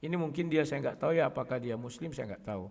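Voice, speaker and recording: A man speaking casually to his viewers in a combative way, often clearing his throat. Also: mid-range voice, quick pace, a little mellow, long reverb tail. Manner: combative, addresses listeners as "kawan", frequent throat clearing. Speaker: online video host.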